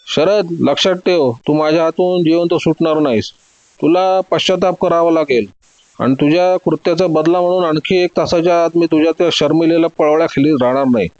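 A man shouting as a raging villain boss. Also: a little high, brisk, no room sound, highs cut off, lightly acted. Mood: furious. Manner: shouting, menacing. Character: furious villainous male gang boss shouting threats.

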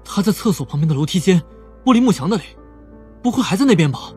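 An anxious young investigator, acted out by a man in an audiobook drama. He speaks fast and urgently, his voice lifted and swinging widely, with faint music behind. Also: high-pitched, big pitch swings, dark tone, pitched above the performer's own voice. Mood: urgent, alarmed. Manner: hurried, urgent. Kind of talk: audiobook character dialogue.

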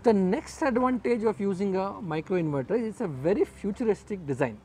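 A man's voice: sits high, animated, fairly quick, mellow, a little hiss or hum. A middle-aged man, a solar engineer, explaining equipment to camera in an earnest way, often repeating words for emphasis, recorded outdoors on a rooftop garden with a lapel mic.

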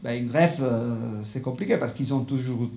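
At a moderate pace and in a mellow, mid-range voice with vocal fry, a middle-aged Spanish-accented man delivers a live lecture in French, a language he learned as a foreigner. He often stalls while looking for words. Holding a microphone, he addresses a seated audience in an indoor lecture room that is echoey, with slight background noise.

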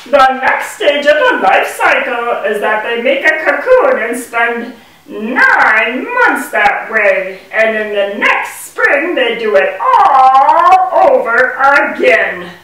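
Woman voicing a bright, sing-song puppet bee. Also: high-pitched, sing-song, takes it slowly, exaggerated voice. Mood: proud, explaining. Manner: sing-song, emphatic explaining. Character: gentle, busy female mason bee puppet, earnest. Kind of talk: rhyming children's educational puppet show. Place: indoor puppet stage in a room. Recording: echoey room, distant microphone.

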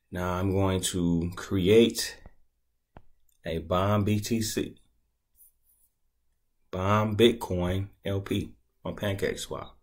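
Man, very deep voice, slow relaxed delivery, casual tutorial narration. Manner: laid-back, conversational, thinking aloud. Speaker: crypto tutorial creator. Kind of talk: casual screen-recorded tutorial.

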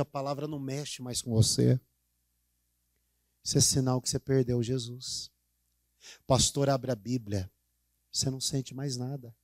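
Middle-aged Brazilian male pastor, dramatic sermon delivery, mellow tone, dry close sound. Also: medium pitch, no echo. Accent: Brazilian Portuguese. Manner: dramatic, swinging from loud cries to hushed pleading. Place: church.

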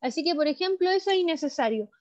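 Chilean woman teacher, high voice, explains patiently over a muffled video call. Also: lively intonation, fast talker. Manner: frequent tag questions, explanatory. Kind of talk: online class lecture. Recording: dull lo-fi video call audio.

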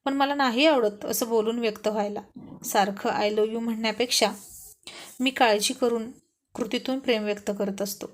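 A woman reading the part of a stern husband nearing fifty, now tearful and pleading. He speaks in emotional storybook dialogue. The voice sits a little high. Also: fairly even intonation, moderate pace, close to an everyday voice. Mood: hurt, pleading.

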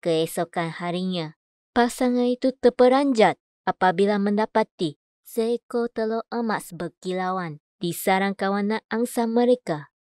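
A woman voice-over artist reads prepared copy in a medium-pitched voice. Her delivery is measured and clearly enunciated, and the recording is close and dry. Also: darkish tone, no room sound. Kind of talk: scripted voice-over demo: adverts, narration, announcements.

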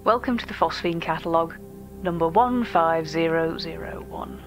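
A woman playing a cultured, earnest art curator, narrating a fiction podcast in a formal, precise and measured manner. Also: sits low, over music, lightly acted. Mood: formal, gracious.

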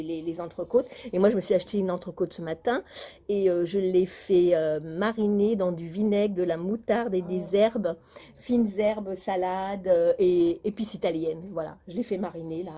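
A woman's voice: on the low side, warm tone. A woman vlogger chatting casually at home, chatty and complaining. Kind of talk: casual chat.

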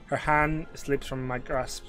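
A man streaming a game, reading its narration aloud slowly and earnestly and chatting loosely in between. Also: medium pitch, flat delivery, bright, forceful tone, soft background music. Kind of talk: reading a visual novel aloud with commentary.

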